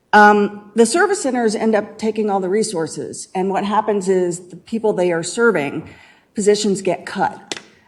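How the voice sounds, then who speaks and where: A woman talks at a moderate pace in a normal speaking voice, her pitch medium. Her volume rises and falls sharply. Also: ordinary pitch variation. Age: 50s. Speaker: university staff member. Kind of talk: audience question at staff meeting.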